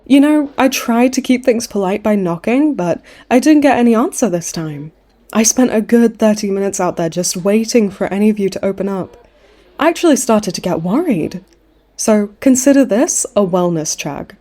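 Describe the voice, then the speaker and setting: Woman playing a cocky, mellow-voiced supervillain. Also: mid-range voice, expressive, normal speed, lightly acted. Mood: breezy, mocking. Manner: breezy, teasing, smug. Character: cocky, cheeky supervillain woman, a chummy hospital frequent flyer. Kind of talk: comedy audio roleplay acting.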